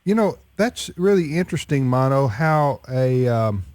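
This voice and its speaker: Male radio host, mellow, dry studio sound, chatty. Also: mid-range voice, expressive, unhurried, no room sound. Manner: conversational, restarting often. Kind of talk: radio interview.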